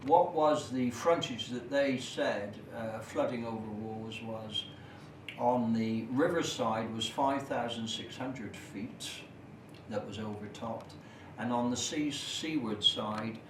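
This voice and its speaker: Unhurried man, echoey distant recording. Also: mid-range voice. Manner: measured, formal, detailed phrasing with hesitant pauses. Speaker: local history presenter. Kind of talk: informal explanatory talk at an exhibition display. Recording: echoey, noisy room, distant camera microphone.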